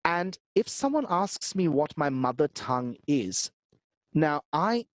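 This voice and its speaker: A man's voice: on the high side, sing-song, a little slow, dry recording. A man from Calcutta, India, whose first language is Bengali, talking earnestly as a podcast guest and often repeating words as he begins a point. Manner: earnest, emphatic, repeats words when starting. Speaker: podcast guest, business strategist. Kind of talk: conversational interview.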